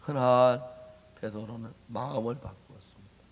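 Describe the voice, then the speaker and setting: A male pastor preaching an impassioned sermon, emphatic and repetitive, swinging from loud to hushed. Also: mid-range voice, steady tone, moderate pace, slight background noise. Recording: long hall reverb.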